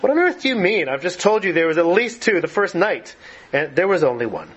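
A man reading as a frightened young boy who pleads in a raised voice. The voice is pitched above the reader's own and sounds fearful, as in a story being read aloud. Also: very animated, a little fast, a bit bright, husky, lo-fi sound, heavily acted.

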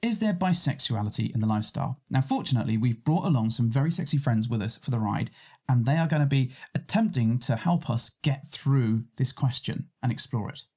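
A man's voice: mid-range voice, animated, fairly quick, a little mellow, slightly rough. A man hosting a podcast, teasing his co-host and making puns in casual chat. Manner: teasing, punning.

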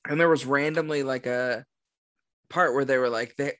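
A man's voice: medium pitch, steady tone, a bit bright, no echo. Young male podcast co-host, wisecracking and loose, dry close sound. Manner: joking, quick banter. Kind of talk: casual chat.

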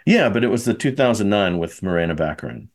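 Man, podcast host, casual chat, low voice, hesitant, lots of fillers. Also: sing-song, fast.

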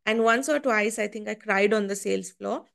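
Twentysomething woman telling lively stories. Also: mid-range voice, moderate pace, creaky. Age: 20s. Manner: animated storytelling, acts out quotes. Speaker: podcast guest. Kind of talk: casual interview chat.

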